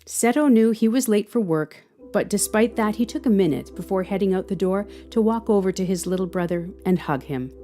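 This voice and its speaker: Expressive, mellow woman narrating a story. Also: mid-range voice, fairly quick, few pauses, soft background music.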